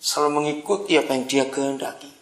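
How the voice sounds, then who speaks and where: A middle-aged man preaching a sermon full of personal stories, calling out to the congregation and shifting between loud exclamations and quiet asides. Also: mid-range voice, quick pace, reverberant.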